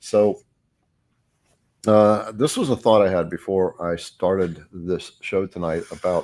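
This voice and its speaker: A man with an unremarkable speaking voice keeps to fairly even intonation and a fairly low pitch, on a very clean recording against a silent background. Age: 60s. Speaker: CNC woodworking YouTuber. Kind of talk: live stream Q&A. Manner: casual, with fillers and repetitions.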